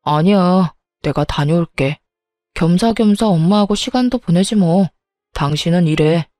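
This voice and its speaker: A woman voicing an earnest husband, low and mellow. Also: a little slow, no echo, faint music behind, lightly acted. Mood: concerned. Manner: earnest, pleading. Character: overworked husband, pleading then worried. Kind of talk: storytelling narration.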